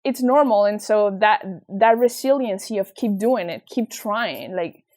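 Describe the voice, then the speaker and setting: A young woman from Venezuela with a Venezuelan Spanish accent, talking as an interview guest with earnest, animated storytelling. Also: mid-range voice, unhurried. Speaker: guest, nonprofit founder. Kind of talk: casual interview chat.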